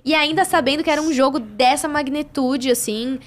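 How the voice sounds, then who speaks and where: High-voiced Brazilian woman telling a story. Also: brisk. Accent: Brazilian Portuguese. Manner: lively storyteller who acts out what others said. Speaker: voice actress guest. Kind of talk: casual podcast interview.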